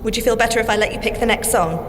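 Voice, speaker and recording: An actress playing a brisk, cheerful, sensible young female secret agent scientist with a British accent and a dry, precise, teasing manner in an audio drama. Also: a little high, a little hiss or hum, lightly acted. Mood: encouraging, teasing. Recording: music under the voice.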